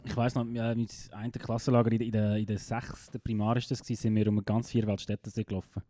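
A young man with a Swiss German accent and a dark, mellow tone talks quickly and easily. He asks questions and restarts his sentences a lot. The recording is close and dry. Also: on the low side, level tone, dry recording. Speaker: podcast co-host. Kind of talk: casual chat.

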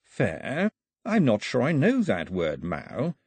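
Performed by a man, an ancient male spirit from a storybook, unhurried and gently mocking. The voice is husky, dry, and moves freely in pitch. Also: wildly swooping pitch, no room sound, full character voice. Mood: calm.

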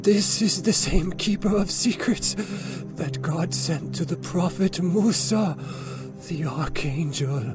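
A man's voice: mid-range voice, very slow, pauses often, over music. A man voicing a frail, blind, dying old man who wheezes and coughs as he talks. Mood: excited. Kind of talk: storybook narration.

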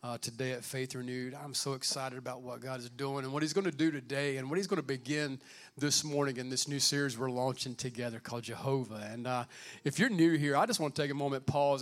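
A man's voice: medium pitch, fairly even intonation, brisk, fairly bright tone. A man preaching informally as a pastor, conversational, repeating phrases and asking the congregation for amens. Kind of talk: informal sermon with welcome and Bible reading.

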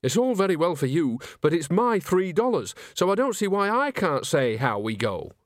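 Guy doing chatty old village witch granny, airy and defensive, bickers, slightly high, audiobook style. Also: sing-song, normal speed, no room sound, studio quality. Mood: bickering.

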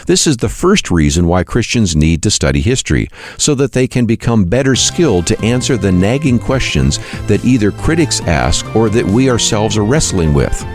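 Deep-voiced man narrating, lively intonation. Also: normal speed, hardly any pauses, music in the background. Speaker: radio program host. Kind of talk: scripted radio teaching narration.

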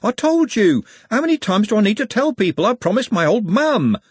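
A man doing a stubborn, blurting working-class lad, pitched high. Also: very animated, fairly quick, husky, no room sound, heavily acted. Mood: exasperated. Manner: blurting, protesting. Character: earnest young working-class man, stubborn, devoted to his mum. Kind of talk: audiobook character voice.

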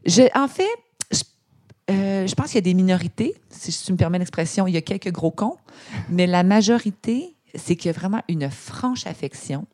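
A woman with a Québécois accent and a low voice, chatting freely as an interview guest. She tells her stories with energy and acts out the lines of the people she quotes. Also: normal speed. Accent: Québécois French. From Quebec, Canada. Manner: animated storytelling with imitated quotes. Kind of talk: conversational interview.

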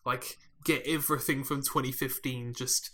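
Bright-voiced British man, hesitant. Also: mid-range voice, steady tone, moderate pace. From United Kingdom. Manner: hesitant, with ums and restarts. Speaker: podcast co-host. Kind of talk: casual chat.

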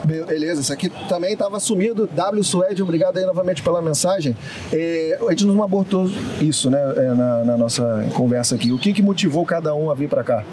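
A man hosting a casual group interview outdoors in a park, asking questions in a quick, joking way. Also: a little high, background noise. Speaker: host.

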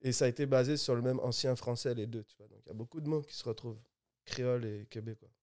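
A man in his twenties from Guadeloupe with a Guadeloupean accent, a music producer talking as a guest in a relaxed, easygoing way. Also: mid-range voice, fast talker. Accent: Guadeloupean French. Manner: relaxed, laid-back, mixes English slang. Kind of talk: casual podcast chat.

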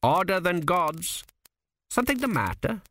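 A man voicing a cynical, crude old ancestor ghost, a former swindler, with a slow, gruff drawl in an audiobook. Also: high voice, big pitch swings, fairly bright tone, pitched above the performer's own voice, heavily acted. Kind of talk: audiobook character voice.

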